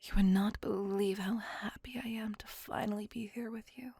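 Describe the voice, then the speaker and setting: A woman voicing a possessive, centuries-old female vampire in an ASMR roleplay, whispering softly with formal, old-fashioned phrasing. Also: medium pitch, steady tone, normal speed, gravelly, breathy edge, dry recording. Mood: tender. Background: faint music.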